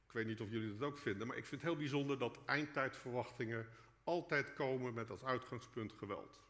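A man delivers a sermon from a prepared text in a church, speaking in an earnest, measured way with rhetorical questions. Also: medium pitch, a bit bright. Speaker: preacher, guest speaker in a church. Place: large church hall, indoors. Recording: echoey church hall with long reverb.

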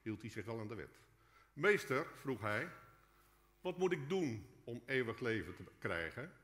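A man delivers a sermon from a prepared text in a church, speaking in an earnest, measured way with rhetorical questions. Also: mid-range voice, sing-song, a bit bright. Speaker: preacher, guest speaker in a church. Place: large church hall, indoors. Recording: echoey church hall with long reverb.

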